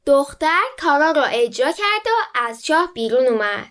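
A woman hosting a children's story program and narrating in a clear, friendly way. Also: high-pitched, very animated, music in the background. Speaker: show host and storyteller.

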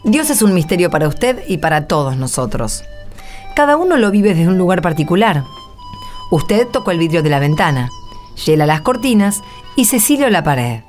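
An actress with an Argentine accent playing a playful, firm, kindly nun in a radio drama. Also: female voice, fairly low pitch, big pitch swings, normal speed, a little mellow, soft background music. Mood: earnest. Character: playful, brisk religious sister, kindly and firm. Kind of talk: radio drama acting and narration.

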